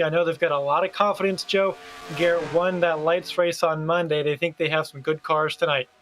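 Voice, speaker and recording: A man's voice: sits high, a bit bright. A man co-commentating an online stock car race broadcast in a sportscaster's delivery. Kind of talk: sports broadcast commentary, reading a starting lineup.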